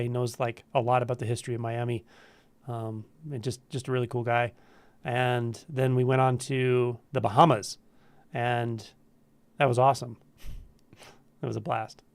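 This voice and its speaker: A man's voice: medium pitch, no room sound. Stuffy-voiced man chatting on a livestream. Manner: relaxed, friendly, chatty with frequent ums. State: stuffy with a cold. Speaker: spiritual teacher hosting a live Q&A. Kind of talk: casual livestream chat greeting viewers. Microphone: camera livestream setup.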